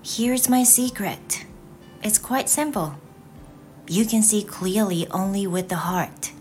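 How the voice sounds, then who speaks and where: A woman reading as a gentle wise fox, Japanese accent. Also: medium pitch, slow pace, faint music behind, lightly acted. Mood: tender.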